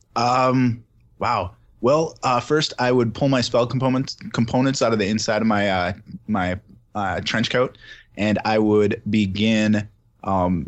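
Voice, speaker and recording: A man speaks with an American accent in a normal speaking voice. His pitch is fairly low and his pace is moderate. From southern Minnesota. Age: 30s. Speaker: role-playing gamer in a dispute. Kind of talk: casual testimony in mock trial.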